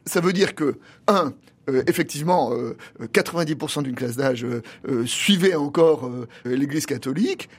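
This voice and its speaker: Husky older man, slightly high voice. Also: animated. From Paris, France. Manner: thoughtful, halting, many pauses and restarts. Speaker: pastor and guest. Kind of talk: reflective interview answers.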